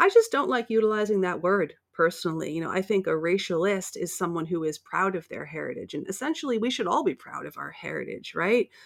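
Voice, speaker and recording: A woman with an American accent speaks at a fairly quick pace in an ordinary speaking voice, medium in pitch, on a very clean recording with a silent background. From United States. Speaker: radio host. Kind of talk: solo monologue broadcast.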